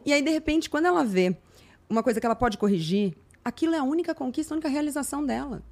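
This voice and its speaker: Woman, podcast guest, outspoken, swears freely, very fast talker. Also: high-pitched. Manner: blunt and expressive, swears freely. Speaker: podcast guest, entrepreneur and content creator. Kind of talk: casual podcast chat.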